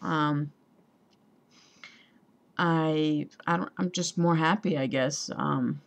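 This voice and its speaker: A young trans man talking casually to a camera, hesitant, with many ums and pauses, and a voice that still sounds female. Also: on the high side, steady tone, creaky, a bit bright. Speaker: vlogger. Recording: dull lo-fi home recording.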